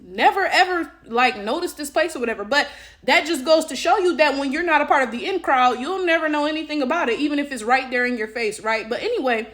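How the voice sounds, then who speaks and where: Her voice is high-pitched, fast, and a bit bright: a Detroit woman in her late 20s offering casual, opinionated commentary to camera. Expect sassy slang, swearing, blunt delivery, and rhetorical check-ins.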